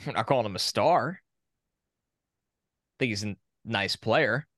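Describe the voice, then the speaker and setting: A man's voice: on the low side, takes it slowly, dry recording. Opinionated man talking sports, dry sound. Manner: opinionated, lists facts in a steady run. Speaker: podcast co-host. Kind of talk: casual sports chat.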